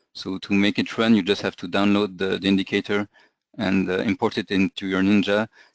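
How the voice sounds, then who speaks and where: Speaking with a French accent, a man keeps a fairly quick pace, his fairly low pitch delivered in monotone, flat intonation. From France. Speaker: trading software developer. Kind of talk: webinar presentation. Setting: online webinar. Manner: halting, many fillers and repetitions.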